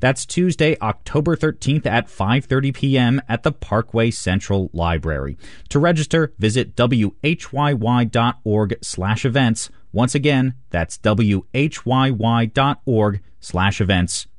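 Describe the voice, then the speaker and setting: Brief: male announcer, animated pitch, dry studio read of an event promo. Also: measured pace, dry recording. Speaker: radio announcer.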